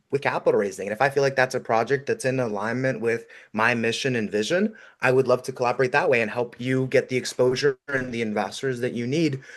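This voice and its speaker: A man whose first language is Russian, giving energetic, encouraging advice on a call-in show with many "um"s. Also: mid-range voice. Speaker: guest investor.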